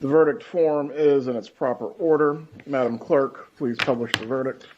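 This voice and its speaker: A man speaking formally as a judge in a courtroom, with clear background noise. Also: medium pitch, normal speed, lo-fi sound. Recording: noisy courtroom audio.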